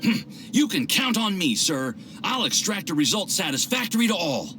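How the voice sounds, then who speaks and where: A man's voice: high voice, sing-song, moderate pace, a bit bright, a little hiss or hum. An actor playing an eager, deferential young male alchemy apprentice who speaks earnestly and respectfully. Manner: earnest, respectful, calls his mentor sir. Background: game music.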